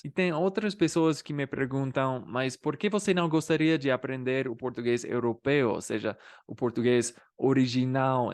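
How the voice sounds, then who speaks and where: A young man from the United States with an American accent, a native English speaker hosting a language channel and explaining things to camera in a relaxed, conversational way. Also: medium pitch, dry recording, studio quality. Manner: relaxed and conversational, many filler tags. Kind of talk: casual explainer talking to camera.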